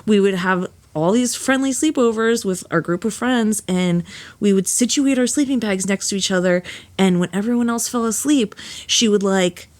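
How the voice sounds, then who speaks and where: A woman's voice: mid-range voice, normal speed. Laughing young woman telling a story. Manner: animated and laughing often, with lots of fillers. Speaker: podcast guest. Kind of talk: candid personal storytelling.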